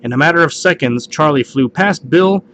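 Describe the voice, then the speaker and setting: A man's voice: a little high, normal speed, a bit bright, slight background noise. A man reads party jokes aloud in a casual way, hosting a home video and sometimes stumbling over the text and rereading lines.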